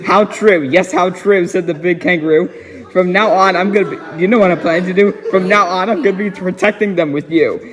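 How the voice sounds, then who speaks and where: A man whose voice sits high and has a fairly bright tone reads a rhyming children's picture book a little fast, dramatically and with plenty of giggling. The sound is echoey and reverberant.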